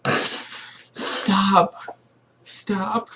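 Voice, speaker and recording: Woman, average pitch, casual game commentary and read-aloud, headset mic, faint background noise. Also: little pitch movement, extremely slow, a bit bright. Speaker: co-host of a game playthrough.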